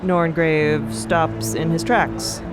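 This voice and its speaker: A woman's voice: deep voice, fairly even intonation, extremely slow, loud music behind the voice. A woman narrating a scripted audio drama in a dramatic storytelling style.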